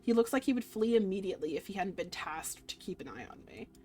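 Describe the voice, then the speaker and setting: A woman's voice: medium pitch, big pitch swings, quick pace, dark tone. A woman reading visual novel narration aloud as a streamer, telling it expressively and gushing over the characters. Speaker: video game streamer doing a playthrough. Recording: music behind the voice. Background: game music.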